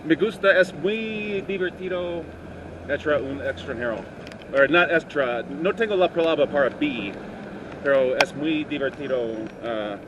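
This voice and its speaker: A man talks in slow, halting learner's Spanish full of fillers and restarts, his voice sitting somewhat high. He rides in a taxi with street and engine noise clearly audible underneath. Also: lo-fi sound. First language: English. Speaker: musician and songwriter. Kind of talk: casual chat in a taxi. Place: inside a moving taxi. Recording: noisy car ride recording.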